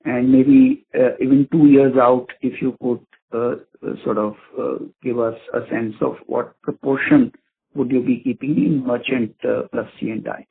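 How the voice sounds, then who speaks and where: A man, an analyst caller speaking over a phone line, asking polite, deliberate questions on an earnings call. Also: mid-range voice, lively intonation, gravelly. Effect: heard over a phone line.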